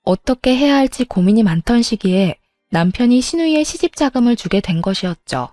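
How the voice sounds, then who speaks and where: A woman narrating a first-person story in a calm, matter-of-fact way. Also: a little high, a little fast, no room sound, clean studio sound, faint music behind.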